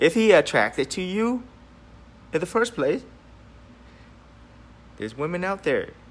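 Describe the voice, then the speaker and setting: Talking at a fairly slow pace, a man uses lively intonation. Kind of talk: casual talk to camera. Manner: unpolished, unscripted delivery.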